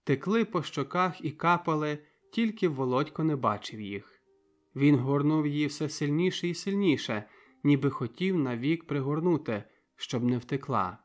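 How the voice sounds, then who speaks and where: A man reading a novel aloud as an audiobook narrator, in calm, measured storytelling. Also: a little high, faint music behind. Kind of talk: scripted literary narration.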